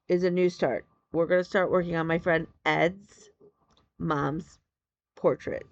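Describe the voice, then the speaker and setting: A woman's voice: lowish voice, creaky, highs cut off. A middle-aged woman hosting a cross-stitch vlog, chatting casually and rambling from one story to the next. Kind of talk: casual chat.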